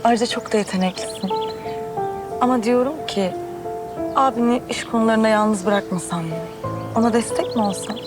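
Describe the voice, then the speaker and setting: An actress playing a sweet-talking schemer. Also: female voice, a little high, normal speed, long pauses, close to an everyday voice. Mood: coaxing. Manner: honeyed, coaxing. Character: scheming young woman, sweet-talking manipulator. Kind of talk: TV drama acting. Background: music.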